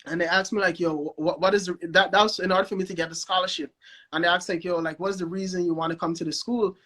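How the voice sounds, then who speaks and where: A man with a Guyanese accent talking as the guest in a casual live-stream interview, animated and repeating himself as he builds his points. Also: sits high, fast talker. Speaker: guest, record label founder.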